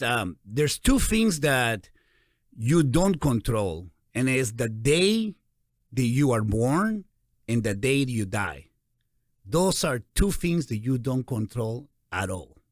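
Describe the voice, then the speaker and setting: A man in his forties with a Peruvian Spanish accent, hosting a casual interview in an animated, encouraging way. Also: mid-range voice, takes it slowly, no room sound, studio quality. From Peru. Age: 40s. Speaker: interview host.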